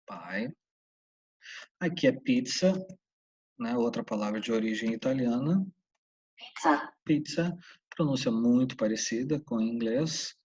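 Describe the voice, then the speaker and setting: A Brazilian man from Santa Catarina with a husky voice teaches a casual English class. He pauses and repeats each English word slowly. His voice sits at a middle pitch and comes through a dull, distant mic. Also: darkish tone. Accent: Brazilian Portuguese, Santa Catarina.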